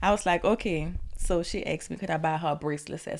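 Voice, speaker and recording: A woman speaks with a New Orleans accent in a very deep, low pitch. The recording is very clean with a silent background. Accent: authentic New Orleans. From New Orleans, Louisiana. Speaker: business owner. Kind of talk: casual interview.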